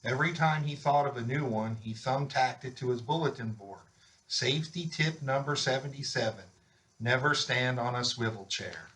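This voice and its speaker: A man's voice: mid-range voice, moderate pace, a bit bright, low-quality recording. Man reading a children's picture book aloud. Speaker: volunteer story reader.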